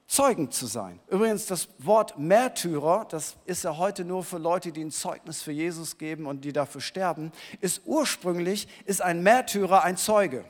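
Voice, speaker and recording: A pastor preaching a sermon in a church hall, moving between quiet talk and loud, shouted emphasis. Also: male voice, high voice. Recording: long reverb of a church hall.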